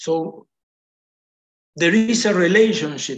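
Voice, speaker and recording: Very slow speech in a Spanish accent against a quiet background. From Argentina. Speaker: economics researcher; panelist. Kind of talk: webinar presentation; panel Q&A. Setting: video call. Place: home room. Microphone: video call.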